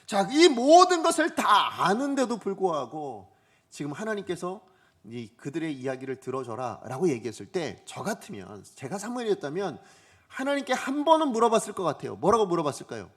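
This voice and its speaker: A man's voice: high-pitched, very animated, a little fast. A man preaching a Sunday sermon as pastor, asking the congregation questions and acting out quoted voices. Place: church sanctuary.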